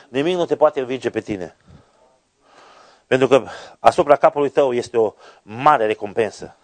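A man preaching a fervent sermon, dropping to low quiet words and then climbing to high, ringing exclamations. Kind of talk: Pentecostal sermon.

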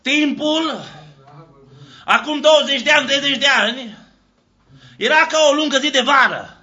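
A man preaching a fiery sermon, shouting exclamations of praise and asking questions he answers himself, dropping now and then into low, quiet passages. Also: lo-fi sound. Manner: shouting exclamations of Hallelujah, call-and-response questions. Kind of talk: fiery Pentecostal-style sermon.

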